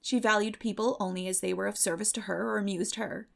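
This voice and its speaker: A woman's voice: mid-range voice, fairly even intonation, brisk, vocal fry. A woman reading a classic novel aloud as a dramatic audiobook narrator.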